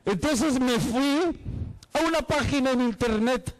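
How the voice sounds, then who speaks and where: A man's voice: extremely high pitch, unhurried, low-quality recording. A man from El Salvador, giving a dramatic, playful Catholic apologetics talk and quizzing his listeners.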